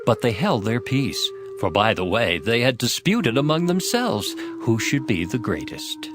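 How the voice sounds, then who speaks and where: A male narrator reads scripture as a dramatized story. His medium-pitched voice moves widely up and down in measured, expressive phrases. Music plays behind.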